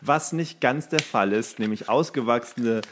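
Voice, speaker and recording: A man with a medium-pitched voice speaks as a podcast co-host. He chats casually and explains things in a halting way, often rephrasing as he goes. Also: fairly bright tone, a little hiss or hum. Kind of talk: casual conversational chat.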